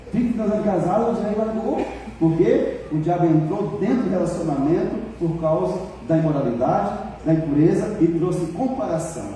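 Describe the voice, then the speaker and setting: A man preaching a sermon as pastor in a church, telling stories in a colloquial, animated way and calling on the congregation for responses. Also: high voice. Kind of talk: sermon with storytelling. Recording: echoey church hall, mic far off, faint noise.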